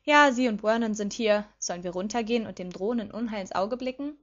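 A woman's voice: medium pitch, quick pace, lightly acted. A woman voicing a cocky, teasing teenage boy wizard in a fan fiction audiobook, speaking in a playful, coaxing and mocking manner. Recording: slightly dull lo-fi recording.

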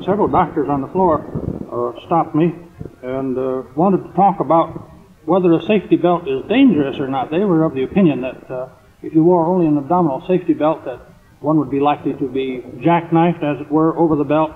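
An American man giving measured, formal explanations as an expert guest in a 1950s radio interview. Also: fairly high pitch. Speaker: military surgeon guest. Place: convention hall radio interview. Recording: noisy, clicking, phone-like 1950s radio recording.

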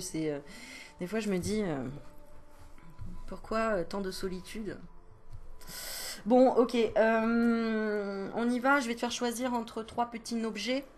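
A woman at an ordinary middle pitch gives a casual oracle card reading, chatting straight to the viewer. She laughs often and slows down to read each card's message aloud. A faint noise sits under her voice. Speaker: medium giving card readings.

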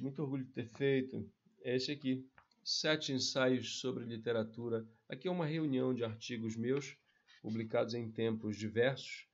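A man's voice: mid-range voice, dull audio. A man in his forties from Pará, Brazil, casually presenting his books to camera from a home study, with frequent tag questions. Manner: chatty, frequent tag questions, warm asides. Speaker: author and literature researcher. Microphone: small desk mic in front.

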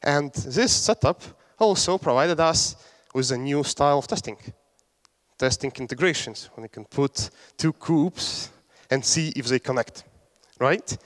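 A man's voice: mid-range voice, lively intonation, a little slow. A young man from Latvia giving a casual, joking technical talk on a conference stage, with fillers and restarts. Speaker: conference speaker. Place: large conference hall on stage. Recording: hall reverb.

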